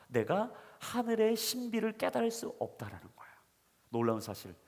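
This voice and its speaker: A male pastor preaching a sermon to a young adult congregation, often turning to address them directly. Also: on the high side. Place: church sanctuary. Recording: long hall reverb of a church sanctuary.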